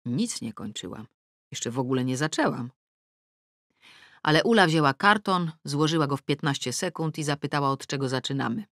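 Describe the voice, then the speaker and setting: A middle-aged woman with a low, animated voice reads a first-person comic novel aloud at normal speed, wry and self-mocking, sinking into sulky mutters and climbing into exclamations. Her tone is a bit bright, and the recording is dry, with studio quality.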